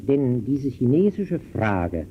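An actor playing an earnest, indignant debater who declaims rhetorically in an old radio play. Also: male voice, medium pitch, very animated, takes it slowly. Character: earnest, indignant male debater lecturing on injustice. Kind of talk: 1920s German radio play dialogue. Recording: dull old radio recording, faint noise.

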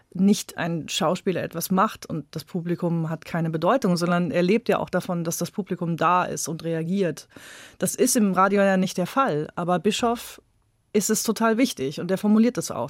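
A woman's voice: on the low side, no echo. Emphatic woman explaining, dry close sound. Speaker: expert guest in a radio interview. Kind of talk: spontaneous explanatory discussion.

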